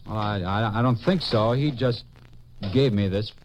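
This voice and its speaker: An actor playing an evasive soldier in a 1950s radio drama, casual and a little hesitant. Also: male voice, on the low side, a little slow, lightly acted. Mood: evasive, nervous. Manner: hesitant, stammering when pressed. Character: young soldier, eager but evasive and uneasy. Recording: noisy old radio recording.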